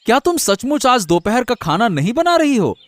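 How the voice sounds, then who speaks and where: A man's voice: extremely high pitch, big pitch swings, moderate pace. A man voicing a worried young husband in a cartoon story, pleading and fretful. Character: anxious young husband, worried for his wife.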